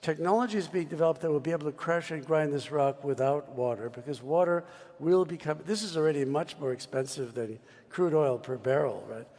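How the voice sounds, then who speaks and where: A man's voice: a little high, brisk, darkish tone. A man from the United States speaking on a panel, expansive and emphatic, as if giving a speech. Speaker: mining executive panelist. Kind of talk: panel discussion. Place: large conference hall. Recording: long reverb of a conference hall.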